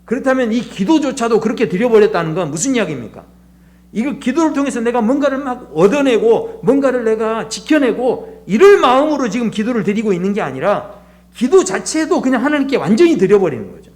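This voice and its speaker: A male pastor preaching a sermon in a church, animated, dropping to a low hushed voice to act out prayers. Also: brisk. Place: church sanctuary.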